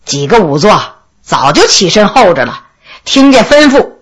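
A woman narrating a historical tale in an expressive, unhurried, dramatic reading style. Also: mid-range voice, slightly rough. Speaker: storyteller. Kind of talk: storytelling narration of a historical novel.

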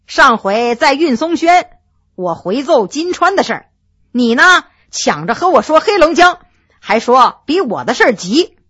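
A woman's voice: sits high, sing-song, measured pace, fairly bright tone, exaggerated voice. Le Min, a woman doing a cheerful male official. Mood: jovial. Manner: jovial, easy-going.

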